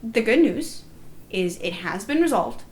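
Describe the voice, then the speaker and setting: Recounting a live-action roleplay game in a group discussion, a woman tells the events emphatically and with indignation. Her fairly high voice is very animated yet unhurried, and there's noticeable background noise.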